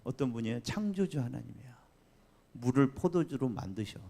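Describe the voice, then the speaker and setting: A man preaching a Sunday sermon as pastor, chatty and lively, asking the congregation questions and laughing along. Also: mid-range voice, a little fast, gravelly. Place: church sanctuary.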